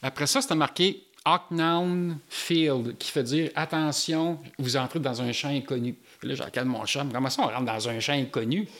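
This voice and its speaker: A man with a Québécois French accent, telling a personal story in an animated way with local slang. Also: medium pitch, normal speed, hardly any pauses.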